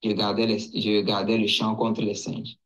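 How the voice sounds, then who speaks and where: A man from Togo giving a slow personal testimony. He hesitates, restarts and repeats words as he recalls events. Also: fairly low pitch, completely flat delivery, a bit bright, highs cut off. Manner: hesitant, halting, with many restarts and repetitions.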